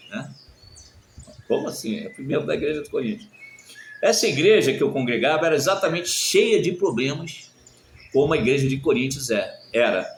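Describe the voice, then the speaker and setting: Emotional preacher, echoey room. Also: male voice, on the high side, a little hiss or hum. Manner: emotional, swinging from loud exclamations to soft murmurs. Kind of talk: sermon with personal testimony. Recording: echoey room with faint birdsong.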